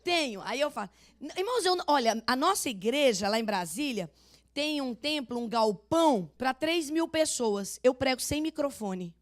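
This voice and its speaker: An older woman pastor from Northeast Brazil preaches a sermon at normal speed in a Northeastern Brazilian Portuguese accent. She tells stories animatedly, breaks into a loud, booming laugh, and acts out the voices of the people in them.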